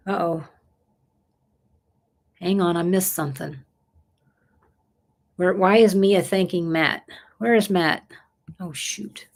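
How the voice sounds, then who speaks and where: A woman's voice: fairly low pitch, slow, pauses often. A woman, chatting casually on a livestream and reading viewer comments aloud, rambling and laughing often. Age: 60s. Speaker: livestream host.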